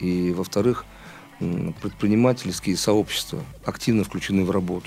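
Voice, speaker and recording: Music behind a man at a fairly quick pace, fairly low in pitch, with lively intonation. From Baku, Azerbaijan. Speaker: city government official. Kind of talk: interview. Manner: hesitant, with fillers.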